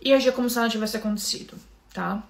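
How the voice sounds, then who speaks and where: Her voice a little high and gravelly, a woman from Brazil shares her personal story on camera with a Brazilian Portuguese accent. She speaks softly and hesitantly, restarting often and repeatedly addressing those listening.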